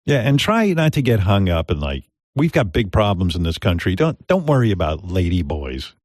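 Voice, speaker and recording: Animated male radio host, lively voice. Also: sits low, moderate pace, no room sound, studio quality. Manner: animated storyteller who acts out voices. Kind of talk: radio talk show chat.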